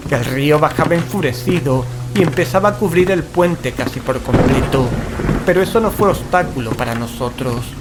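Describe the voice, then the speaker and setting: Horror audio drama: male actor as scared paranormal investigator, higher-set male voice, ornate and full of dread, music underneath. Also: moderate pace, close to an everyday voice. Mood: tense dread. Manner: anxious, ornate, dread-laden delivery. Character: fearful male paranormal investigator telling his horror story. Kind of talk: dramatic first-person horror narration and radio-play dialogue. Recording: dramatic music, rain and thunder behind. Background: music, rain, thunder.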